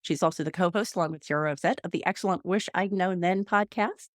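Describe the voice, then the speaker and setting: A woman's voice: fairly low pitch, fast talker, dry recording, clean studio sound. A woman hosting a podcast interview, friendly and chatty, recorded over a video call. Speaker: podcast host.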